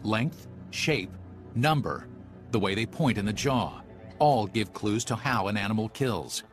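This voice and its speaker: A man's voice: fairly low pitch, lively intonation, measured pace. A man narrating a nature documentary in a scripted, dramatic and emphatic style. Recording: music under the voice. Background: dramatic background music.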